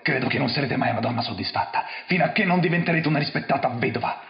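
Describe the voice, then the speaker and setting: A man's voice: medium pitch, rapid-fire, natural voice. A man dubbing a drunken, bitter, dissolute lord in amateur film style, with a theatrical, sardonic delivery. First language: Italian. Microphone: cellphone microphone. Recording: dull roomy cellphone microphone recording.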